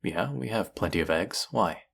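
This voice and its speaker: Casting: male actor as arrogant chef with a low voice, sardonic and needling, secretly fond of his rival, for intimate audio roleplay. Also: animated, normal speed, gravelly, a bit bright, slightly rough, exaggerated voice. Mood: teasing, irritated. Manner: teasing, sardonic, condescending. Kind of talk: intimate audio roleplay acting addressed to listener.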